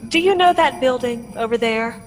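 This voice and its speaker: A woman voicing a solemn guiding spirit in a radio play, measured and formal, in a long reverb. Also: on the high side, lively intonation, soft background music, natural voice. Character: Ghost of Christmas Past, solemn guiding spirit. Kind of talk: dramatic radio play acting. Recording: long cavernous reverb, faint background noise.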